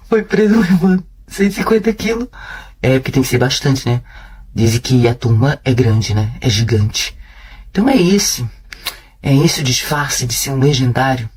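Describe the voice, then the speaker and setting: Husky, teasing joking man. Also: mid-range voice. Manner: teasing, laughing, playful jokes. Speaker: commentator. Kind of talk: joking commentary.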